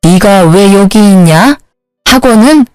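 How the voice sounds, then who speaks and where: Woman playing a slow, scolding mother-in-law. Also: mid-range voice, expressive, a little mellow, no echo, faint music behind. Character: stern older mother-in-law who owns a salon.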